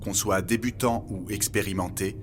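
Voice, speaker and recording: A man playing a polite robot guide in an audio documentary drama, speaking in a measured, formal way over music. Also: on the low side, fairly even intonation, background noise, natural voice. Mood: measured, explanatory. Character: polite, earnest male robot guide recounting humanity's end. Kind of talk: scripted documentary fiction narration. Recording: music bed behind the voice.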